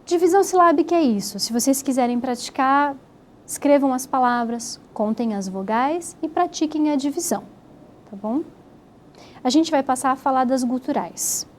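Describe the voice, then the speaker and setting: A woman teaching a recorded Hebrew grammar lesson, explaining step by step and sounding out syllables slowly. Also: sits high, animated, a little hiss or hum.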